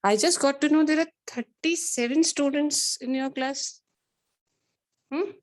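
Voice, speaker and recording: A woman's voice: sits high, a little slow. A woman teacher with a South Asian accent counselling her students in an earnest, motherly, admonishing way, repeating herself and slipping Hindi phrases into English. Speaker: biology teacher addressing an online or classroom class.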